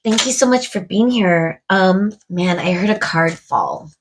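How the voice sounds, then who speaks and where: A woman's voice: medium pitch, a little slow, slight background noise. A woman reading tarot cards aloud, musing to spirit and viewers, a little stuffed up from a cold. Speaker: tarot reader. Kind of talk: casual tarot card reading to camera.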